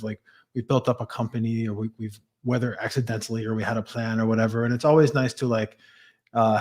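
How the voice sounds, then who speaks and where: A man hosting an interview in a casual, conversational way, with loosely rambling, informal questions. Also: mid-range voice. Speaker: interview host.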